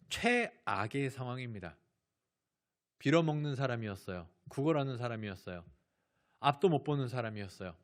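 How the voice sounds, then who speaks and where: A man's voice: medium pitch, fairly bright tone. A man pastor giving a sermon, telling the story dramatically and asking his listeners questions. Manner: dramatic storytelling, acts out voices; addresses listeners directly with questions.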